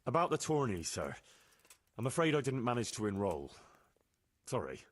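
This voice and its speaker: An actor playing an apologetic young squire in a game. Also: male voice, medium pitch, big pitch swings, moderate pace.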